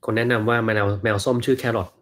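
A Thai man in his thirties, a doctor who also hosts livestreams, runs a casual Q&A where he reads out viewer comments. He answers in a relaxed, chatty manner packed with fillers, talking fast in a mid-range voice.

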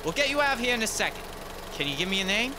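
An actor playing a calm emergency rescuer in an audio drama, asking questions in a reassuring way. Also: male voice, high voice, racing, background noise. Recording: loud idling vehicle engine behind.

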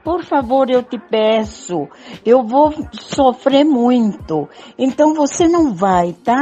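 A woman's voice: a little high, animated, slow, mellow, faint music behind. An older woman playing a devoted, clinging wife in an amateur radio soap. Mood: pleading. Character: devoted, clinging wife begging her husband. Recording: dull lo-fi recording.

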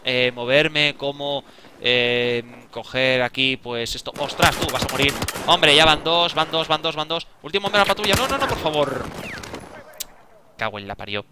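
A young man giving casual, excitable gameplay commentary, talking to himself and exclaiming often. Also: mid-range voice, noisy background. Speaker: gaming video creator.

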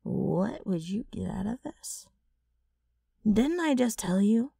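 A woman acts out a brash ghoul woman in an ASMR roleplay, rough and dark-toned. Her pitch swings widely as she wheedles and needles with sardonic mischief. The sound is very dry and close. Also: lively intonation, slow, dry recording, exaggerated voice. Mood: wheedling, sardonic. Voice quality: rough, gravelly.

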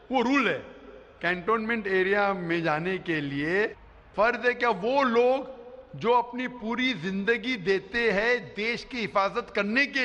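A man's voice: high voice, bright, forceful tone. A middle-aged man preaching to a large crowd on an arena stage, explaining points emphatically into a stand microphone and often checking that listeners understand. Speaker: Islamic preacher answering audience questions. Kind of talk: public question-and-answer lecture. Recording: long hall reverb.

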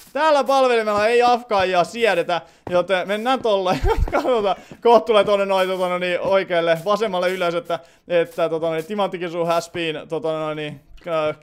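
A man's voice: sits high, smooth. A man casually commentating his game stream, playful and chatty with lots of fillers.

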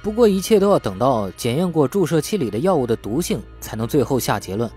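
A man's voice: mid-range voice, sing-song, quick pace, mellow, soft background music, close to an everyday voice. A man voicing a wily, defiant young male suspect who argues and feigns innocence in an audiobook. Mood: reasoning. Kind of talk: audiobook character dialogue.

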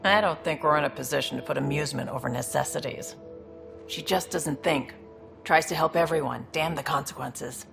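A woman's voice: low-pitched, brisk, vocal fry, music in the background. A woman voicing a protective, weary alien mercenary sister in a video game, dry, guarded and exasperated. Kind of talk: dramatic video game acting.

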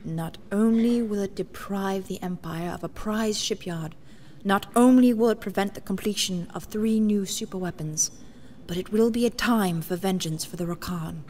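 Casting: woman as formal rebel leader, medium pitch, poised authority, audio drama. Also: moderate pace, darkish tone, slight background noise, close to an everyday voice. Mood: solemn, commanding. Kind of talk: sci-fi audio drama acting.

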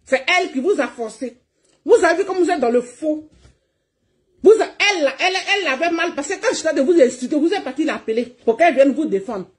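A woman with a notably high voice, running a heated livestream rant. She talks combatively and mockingly, laughing as she scolds her targets. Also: animated, a little fast. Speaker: online streamer.

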